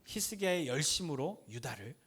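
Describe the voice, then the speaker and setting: Male pastor, slightly high voice, chatty sermon delivery that mimics taunts with casual bluntness. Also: very animated, normal speed, fairly bright tone, husky. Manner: conversational preaching, acts out taunting quotes in a blunt casual voice.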